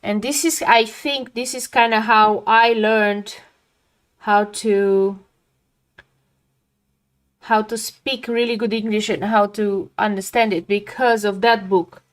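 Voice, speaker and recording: A woman's voice: medium pitch, fairly even intonation, slow. A woman from Romania, speaking English as a second language, chatting casually and reflectively while she paints on a live stream, often trailing off mid-sentence.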